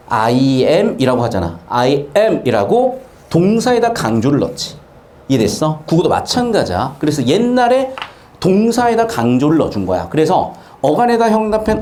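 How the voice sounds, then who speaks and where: A male grammar teacher lectures with a high, lively voice that swings widely in pitch. He drills key points by repeating them and keeps checking whether his students understand. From South Korea, Changwon.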